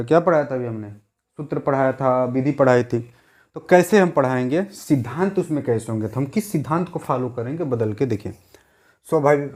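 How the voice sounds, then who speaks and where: A man's voice: a little high, a little mellow. A young adult male teacher giving an exam-prep lecture, repeating key words and putting rhetorical questions to his students.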